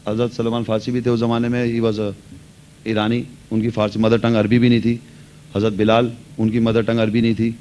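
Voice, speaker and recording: A man's voice: mid-range voice, a little mellow, a little hiss or hum. Earnest male lecturer. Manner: earnest teaching tone, mixes in English words. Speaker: Quran lecturer. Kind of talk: religious lecture and answers.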